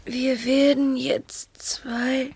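An actress playing a sleepy little witch girl in a children's audio drama, mumbling spells drowsily with a husky, creaky, breathy voice. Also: sits high, little pitch movement, darkish tone, no echo, heavily acted. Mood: drowsy. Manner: slow, drawn-out sleepy mumbling.

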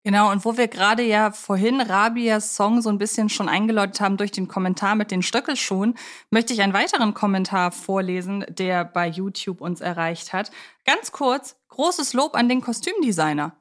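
A woman's voice: medium pitch, normal speed. A woman co-hosting a podcast in a studio, discussing films casually in an enthusiastic, reflective way.

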